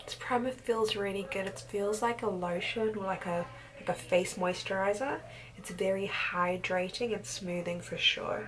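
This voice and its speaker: A woman whispers at a moderate pace, with audible room echo around her. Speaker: beauty vlogger. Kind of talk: tutorial. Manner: whispering.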